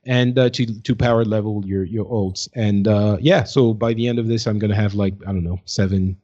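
A man's voice: on the low side, fairly even intonation, brisk, dark tone. Dull-sounding man, hesitantly chatting. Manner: hesitant, thinking aloud. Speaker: podcast co-host. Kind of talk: casual gaming chat.

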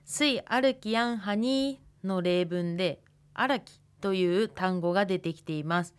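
A woman, teaching a radio language lesson patiently and pausing to think aloud. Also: medium pitch, smooth. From Hokkaido, Japan. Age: 20s. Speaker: language instructor.

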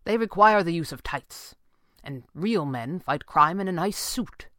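Woman playing a stern, deadpan masked crime-fighter boss. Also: lowish voice, a little slow, no echo, studio quality. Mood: dry, matter-of-fact. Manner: clipped, wry, deadpan.

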